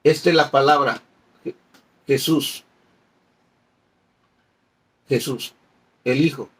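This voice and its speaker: A man's voice: medium pitch, slow pace, a bit bright, breathy edge. A man teaching a Bible class as a catechist, reading passages aloud and explaining them patiently with everyday examples.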